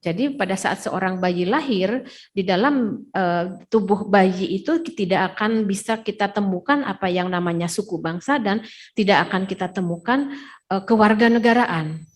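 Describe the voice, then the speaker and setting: A woman interprets a lecture over a video call, restating each passage after the speaker finishes. Her voice sits at a middle pitch for a woman. She hesitates often with fillers as she searches for the right phrasing. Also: normal speed. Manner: rephrasing with frequent hesitation fillers. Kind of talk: consecutive interpreting.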